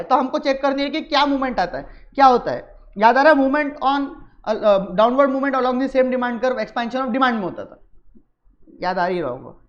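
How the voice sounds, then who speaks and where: A man's voice: very high voice, highs cut off. A male economics teacher giving a recorded lecture in a conversational way, often checking whether his students have understood.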